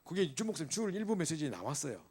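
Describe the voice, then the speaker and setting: A man's voice: a little high, big pitch swings, racing, a little mellow, husky. A middle-aged male pastor preaching an emphatic sermon to a church youth group, asking rhetorical questions and checking in with his listeners again and again.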